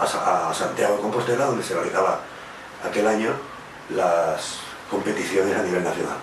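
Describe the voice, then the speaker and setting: A man with a fairly low pitch speaks at a moderate pace. Audible room echo and noticeable background noise surround him. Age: 70s. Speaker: poet. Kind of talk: interview. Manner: halting.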